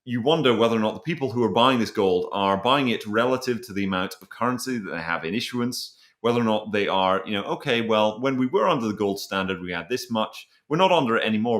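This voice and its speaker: A man's voice: mid-range voice, a bit bright. A man hosting a conversational interview about finance, talking in a discursive way as he thinks aloud. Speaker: host.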